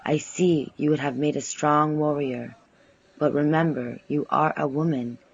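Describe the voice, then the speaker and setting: A man acting a solemn, slow, watchful warrior. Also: on the high side, husky, highs cut off. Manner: solemn, commanding, formal. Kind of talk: audio drama dialogue.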